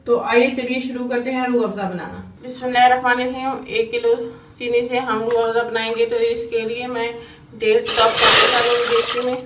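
Pakistani woman, cooking host, fairly high flat voice, echoey kitchen far from the mic. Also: a little fast. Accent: Urdu-speaking Pakistani. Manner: homely, repeats filler "jo hai" constantly. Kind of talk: step-by-step recipe narration. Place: home kitchen. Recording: echoey, distant kitchen recording with faint hiss.

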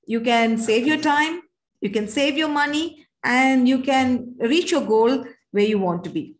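A woman's voice: high-pitched, unhurried. Female talk show host, middle-aged, Indian accent, emphatic and earnest coach delivery over a video call. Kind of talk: conversational live talk show hosting.

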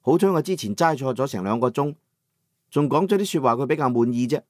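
A man with a Cantonese accent narrating a first-person novel as an audiobook, in a steady descriptive storytelling manner. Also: mid-range voice, quick pace, no echo.

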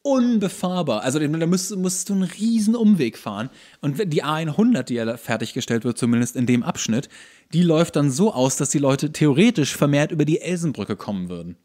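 A man's voice: a little high, sing-song, fairly quick, mellow. Dry, ironic German male podcaster. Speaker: podcast co-host. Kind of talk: casual comedic chat.

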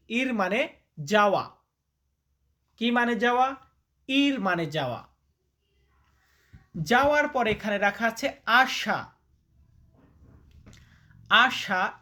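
A man's voice: high voice, sharp tone. A man teaching a spoken vocabulary lesson. He repeats each word to drill it, quizzes the listener, and addresses viewers informally as brother. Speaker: language teacher.

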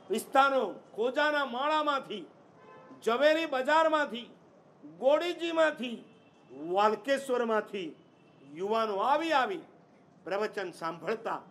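A man's voice: extremely high pitch, fairly bright tone. A man preaching a sermon, telling stories emphatically and quizzing the audience with rhetorical questions. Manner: storytelling, emphatic delivery.

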